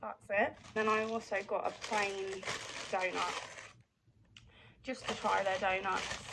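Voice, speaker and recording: A woman speaks with an English accent. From England. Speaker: flight attendant and travel vlogger. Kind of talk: vlog. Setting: outdoors and hotel room. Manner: chatty, casual.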